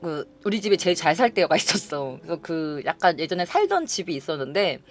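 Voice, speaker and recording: Lively chatty woman telling her dreams. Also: fairly low pitch, fairly quick. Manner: chatty, lively, acts out quoted lines. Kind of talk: casual storytelling to viewers.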